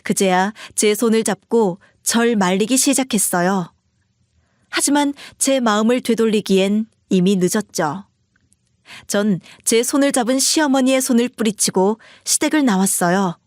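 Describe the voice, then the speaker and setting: A woman narrating a first-person family story in a calm, measured way. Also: medium pitch, no room sound, clean studio sound.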